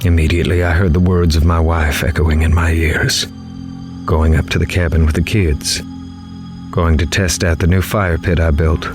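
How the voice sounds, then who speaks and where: A man's voice: rumbling low, flat delivery, moderate pace. A man playing a grave, horrified reporter in a horror audio drama, dramatically telling his story in the first person. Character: horrified male reporter recounting an interview with a killer. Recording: music underneath.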